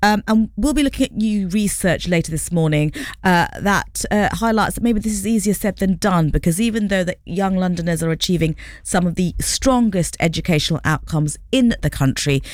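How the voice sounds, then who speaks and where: Lowish-voiced woman reporter, hesitant delivery. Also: moderate pace, dry recording, clean studio sound. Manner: hesitant, many fillers. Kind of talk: live radio report. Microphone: studio microphone.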